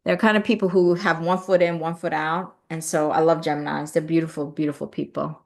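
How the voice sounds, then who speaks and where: A woman's voice: low voice, brisk, vocal fry. Earnest middle-aged woman live streaming. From born in South Korea, raised in the US. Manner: warm, earnest, with many "you know" and "right?" fillers; lively when thanking viewers. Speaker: live stream host reading viewer comments. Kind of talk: casual live-stream chat about spirituality.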